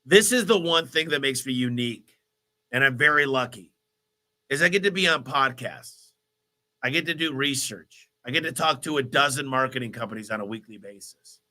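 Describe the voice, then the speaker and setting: A man hosting a live business Q&A, talking in an energetic, motivational, rambling way while congested with a cold. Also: medium pitch, moderate pace. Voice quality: stuffy, nasal. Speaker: host of a business Q&A livestream. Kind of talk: live Q&A answering viewer questions.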